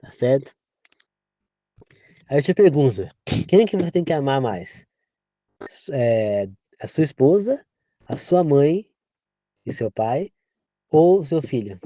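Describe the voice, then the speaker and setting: A man's voice: mid-range voice, big pitch swings, slow, pauses often, mellow, dry recording, lo-fi sound. Earnest Brazilian-born man preaching. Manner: earnest, repetitive, addresses listener directly. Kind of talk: informal sermon. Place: rural home.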